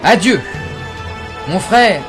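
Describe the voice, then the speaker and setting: Man acting a solemn, high-pitched anime warrior brother. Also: animated, drawn-out words, heavily acted. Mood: sorrowful, resolute. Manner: solemn, theatrical, shouts attack names. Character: grave older-brother warrior, cold but secretly loving. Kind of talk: amateur anime parody voice acting. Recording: amateur recording under loud music.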